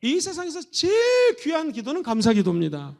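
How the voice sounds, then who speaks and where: A middle-aged man from Seoul preaching a church sermon as pastor, moving between loud exhortation and soft, intimate asides. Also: very high voice, wildly swooping pitch, brisk, creaky. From Seoul, South Korea. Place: church sanctuary.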